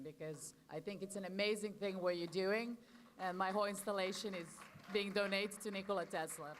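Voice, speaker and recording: A woman with a Serbian accent speaks at a conference podium, thanking the organizers in an informal, slightly scattered way. Her voice sits a little low for a woman. She sounds like an artist speaking off the cuff rather than reading a script. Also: slight background noise. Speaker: artist giving an award speech. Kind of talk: short thank-you speech at a conference.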